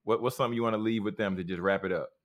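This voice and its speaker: A man's voice: fairly low pitch, rapid-fire. A man hosting a podcast in an informal, conversational way, often repeating short phrases. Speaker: podcast host. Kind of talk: casual podcast interview and sign-off.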